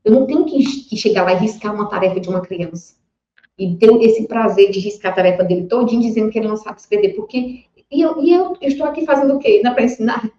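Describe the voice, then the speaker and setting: A woman from Brazil teaching a recorded lecture, talking in a lively, expressive way. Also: mid-range voice, fast talker. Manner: lively, expressive classroom talk. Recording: muffled, roomy lecture recording.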